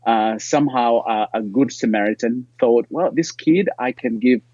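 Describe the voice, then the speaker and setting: Male guest, earnest storyteller, medium pitch, dull dry call-quality sound. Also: moderate pace, no room sound. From Uganda. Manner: earnest, warm storyteller with frequent fillers. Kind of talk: telling his life story in an interview.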